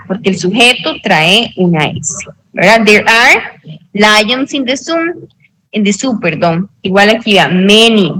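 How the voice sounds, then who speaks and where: Woman English teacher, bright voice, unhurried and patient, keeps checking in with the class. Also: medium pitch, low-quality recording. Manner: slow, patient explaining with frequent check-ins. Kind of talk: online grammar tutoring in Spanish.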